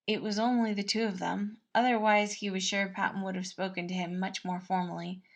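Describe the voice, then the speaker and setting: A woman reading a scripted story aloud as narrator, expressive and measured. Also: medium pitch, vocal fry. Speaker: fan-fiction podfic reader.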